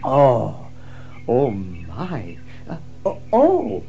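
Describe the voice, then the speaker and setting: A woman's voice: rumbling low, wildly swooping pitch, drawn-out words, dark tone, faint music behind, full character voice. A woman playing a timid, polite and naive young mole in a children's audio drama, hesitant and easily awed. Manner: hesitant, breathy exclamations of wonder.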